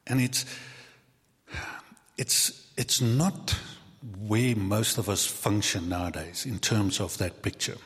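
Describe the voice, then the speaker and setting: A male pastor preaching a sermon in a church, animated and conversational, acting out quoted voices and joking with his congregation. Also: lowish voice, slow pace. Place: church sanctuary. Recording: long reverb of a large hall.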